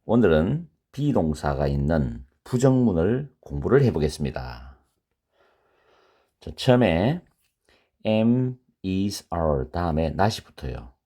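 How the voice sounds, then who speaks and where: A man teaching beginner English grammar, explaining slowly and repeating example sentences in a lecture style. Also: low voice, very animated, dark tone.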